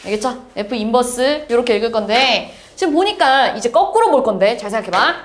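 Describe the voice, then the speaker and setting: A woman teaching a math class, lively and quick to check whether students follow. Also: a little high. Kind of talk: classroom lecture. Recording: echoey classroom.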